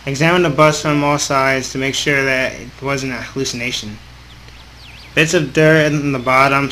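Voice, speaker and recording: A man hosting a gaming video, reading a visual novel aloud in an informal, halting way with casual off-script asides. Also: fairly high pitch, a bit bright. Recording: clearly audible background noise.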